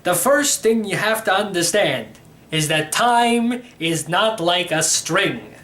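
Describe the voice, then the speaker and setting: A man's voice: sits high, animated, slow, fairly bright tone, heavily acted. A man voicing an eccentric, cheerful elderly uncle in a storybook, explaining things in a rambling, matter-of-fact way. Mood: patiently explaining. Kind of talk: storybook character reading.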